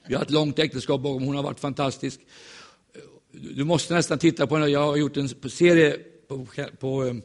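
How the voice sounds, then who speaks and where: A man preaching in a church, telling stories in a lively, joking way and acting out the voices of the people in them. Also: fairly high pitch. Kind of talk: humorous sermon storytelling.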